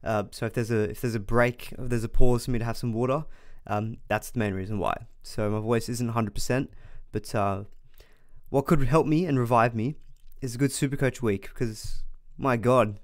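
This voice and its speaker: A man's voice: mid-range voice, steady tone, normal speed, dry recording. Thirties male host, mild cold congestion, casual chatty delivery, dry close sound. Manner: chatty, reads viewer comments aloud, frequent restarts. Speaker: fantasy sports live stream host. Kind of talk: casual live stream chat.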